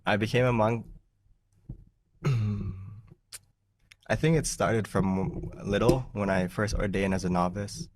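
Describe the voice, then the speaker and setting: A young man, a monk who grew up in the United States, giving an easygoing meditation talk on a video call, often laughing and clearing his throat. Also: on the low side, fairly even intonation, slow, long pauses, a little mellow, recorded from a distance, a little hiss or hum. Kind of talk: relaxed teaching talk over a video call. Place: small plain room indoors. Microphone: large desk mic in front of him.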